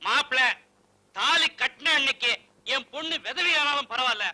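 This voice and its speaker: An actor playing a hot-tempered older father-in-law in a film comedy, loud and threatening. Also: very high voice, moderate pace, heavily acted, low-quality recording. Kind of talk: 1990s Tamil film comedy acting.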